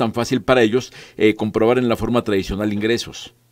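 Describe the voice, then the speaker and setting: A man with a Mexican accent at a very fast pace, against a quiet background. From Mexico. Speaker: radio show host on housing and urban development. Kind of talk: radio interview. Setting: studio. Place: studio. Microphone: studio mic.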